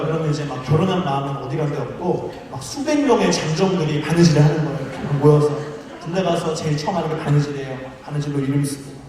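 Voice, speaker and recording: Male pastor giving a sermon, funny storyteller, voice on the high side, big echoey church hall. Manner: lively, humorous storytelling. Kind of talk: sermon to a college group. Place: large church auditorium. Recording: echoey hall, mic far off.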